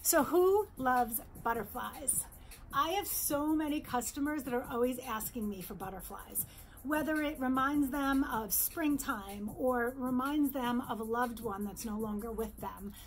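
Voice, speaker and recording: In a showroom full of jewelry displays, a middle-aged woman from New York who designs jewelry shows off her bracelets for a virtual trade show. Sitting close to the camera, she holds up pieces and keeps her pitch chatty, bright, and upbeat. Her pace is unhurried, and faint music plays behind her.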